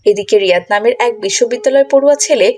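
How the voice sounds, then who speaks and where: A woman's voice: on the high side, rapid-fire, warm tone. A woman giving scripted narration for a cartoon story.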